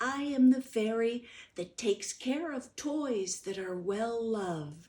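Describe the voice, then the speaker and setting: A female-sounding voice in a put-on character voice speaks at a fairly slow pace with a fairly high pitch. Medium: read story. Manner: soft, kind.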